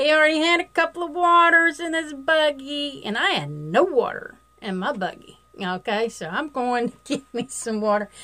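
A woman with a Southern US accent speaks in a raised, projected voice at a high pitch. Her pitch swings very widely, with hardly any pauses. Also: moderate pace. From US South. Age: 50s. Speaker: beauty vlogger. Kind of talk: casual chat. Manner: animated. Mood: playful, laughing storytelling. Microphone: phone near.

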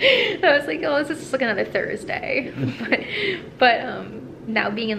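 A woman talks at a fairly quick clip over noticeable background noise. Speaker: expectant mother vlogger. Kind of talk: casual vlog chat. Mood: cheerful, relaxed. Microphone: phone near.

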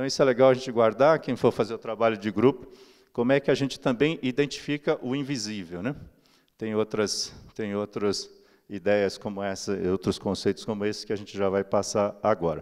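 A fairly low male voice at a fairly quick pace, with ordinary pitch variation and a quiet background. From São Paulo, Brazil. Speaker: cultural manager and columnist; speaker, cultural educator. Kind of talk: panel talk. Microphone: handheld.

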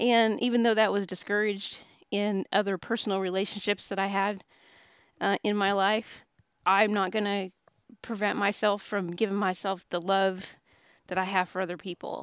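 Delivered at a moderate pace in a Southern US accent, the voice stays monotone and flat, with a dry sound, no echo and a quiet background. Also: woman. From US South. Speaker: video blogger and abuse survivor. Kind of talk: casual video diary monologue. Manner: casual, laughs often, profane.

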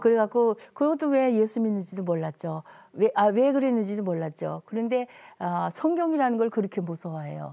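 The speaker moves at a fairly quick pace with very wide pitch swings. Music plays in the background. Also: woman. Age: 70s. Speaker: health lecturer. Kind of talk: lecture. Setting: studio. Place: studio.

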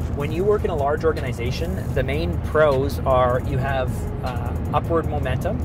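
Music plays in the background as a man speaks. The sound is dry with no echo. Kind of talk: interview answer. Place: car. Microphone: camera far.

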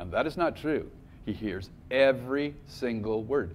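Light background noise sits behind a man's voice. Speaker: preacher. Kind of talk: sermon. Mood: earnest, emphatic. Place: church.

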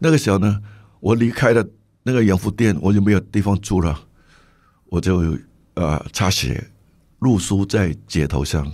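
A man in a Hong Kong accent, fairly low in pitch, with lively intonation, big swings in loudness, a fairly slow pace and long, frequent pauses, in a very clean recording with a silent background. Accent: Hong Kong Cantonese. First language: Cantonese (speaking Chinese). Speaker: retired pastor. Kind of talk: interview.

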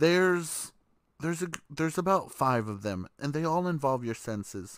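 On a very clean recording with a silent background, a man with an American accent speaks in an animated tone at a fairly slow pace. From Texas. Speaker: podcaster. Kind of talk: casual monologue.

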